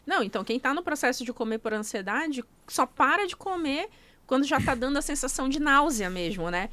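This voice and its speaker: A woman with a fairly high voice talks as a podcast guest, laying out her points one step at a time. Her comes through in easy, casual speech. The sound is close and dry, with no room behind it. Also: lively intonation, brisk, sharp tone, no echo. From Brazil. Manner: explanatory, walks through steps one by one. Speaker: guest, nutrition coach.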